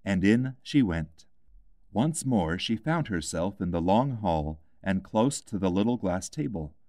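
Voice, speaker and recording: A man's voice: sits low, lively intonation, measured pace, warm tone, no echo, clean studio sound. A man reading a scripted children's classic as an audiobook narrator.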